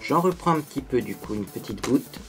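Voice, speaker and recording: A man's voice: medium pitch, expressive, a little fast, soft background music. A man talking casually through a makeup tutorial to viewers, chatty and self-mocking, tagging his sentences with little asides. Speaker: beauty vlogger.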